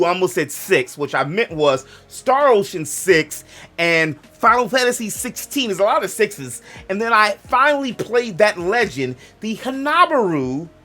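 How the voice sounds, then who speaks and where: Young black american dude rambling about games, pitch all over the place, faint music behind. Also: male voice, fairly bright tone. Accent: African American English. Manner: loose, joking, digressive, self-interrupting. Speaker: gaming channel host. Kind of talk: rambling casual monologue.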